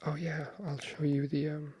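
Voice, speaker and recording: A man speaking softly and breathily, half whispering in a hesitant, friendly ASMR chat into a close microphone. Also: on the high side, completely flat delivery, normal speed, slight background noise. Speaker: ASMR video creator. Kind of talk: soft-spoken ASMR, friendly chat roleplay.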